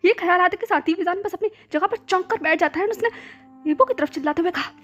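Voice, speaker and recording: A woman's voice: very high voice, fast talker. A woman narrating a romance story, mixing English words into her telling. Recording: soft background music.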